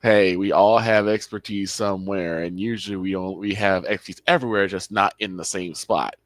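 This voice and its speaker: A man's voice: sits low, steady tone, brisk, dry recording. A young man co-hosting a sports show, chatting casually and explaining calls on the field. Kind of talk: casual color commentary.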